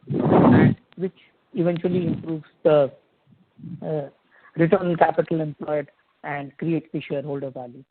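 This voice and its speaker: Male executive, Indian accent, slightly high husky voice, formal explanatory answers, heard over an echoey line. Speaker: company executive answering investor questions. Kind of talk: business conference call answers. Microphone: phone conference call. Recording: tinny phone line, echoey room.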